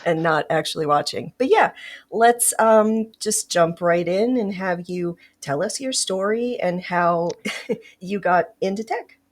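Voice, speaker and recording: A woman's voice: fairly low pitch, expressive, unhurried. A woman hosting a podcast, chatting casually and upbeat, laughing often. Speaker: podcast host. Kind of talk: casual interview chat.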